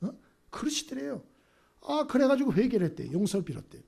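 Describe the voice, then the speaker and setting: A man's voice: very high-pitched, big pitch swings, brisk, gravelly, a little mellow, slightly rough. A male pastor preaching a sermon in a church, telling stories and often checking in with the congregation.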